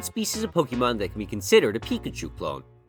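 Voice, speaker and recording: Over music in the background, a man talks at a very fast pace and a medium pitch, his pitch swinging very widely. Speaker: Pokemon card art commentator. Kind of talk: video essay narration.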